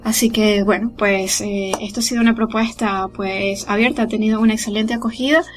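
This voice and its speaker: A woman who organizes a podcast group, speaking in a recorded message with many pauses and fillers. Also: mid-range voice, steady tone, soft background music. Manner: warm, hesitant, many fillers.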